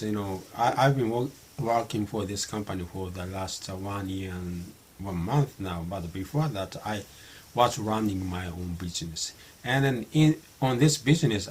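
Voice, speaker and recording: A middle-aged man from Japan, a native Japanese speaker, talking English in a halting unscripted monologue with many fillers and restarts. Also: lowish voice, a little hiss or hum. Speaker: vlogger practicing English.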